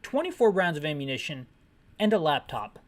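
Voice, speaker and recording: A man's voice: on the high side, sing-song, a little fast. A man describing a video game screen aloud in a loose, digressive way. He wanders off into jokes and asides, then comes back to the details. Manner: rambling, digressive and jokey. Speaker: gaming channel host. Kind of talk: descriptive audio commentary of a game.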